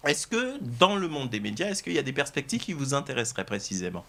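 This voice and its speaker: Very bright, animated male talk show host. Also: medium pitch, fast, creaky. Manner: emphatic, animated showman. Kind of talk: lively presenting to camera and guests. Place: TV studio.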